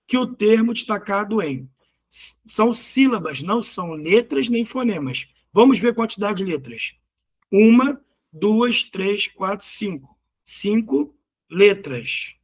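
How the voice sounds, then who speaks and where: Patiently explaining exam questions, a man with a rather high and slightly bright voice takes his time. He breaks words into syllables and repeats them, stopping often to check that his students keep up.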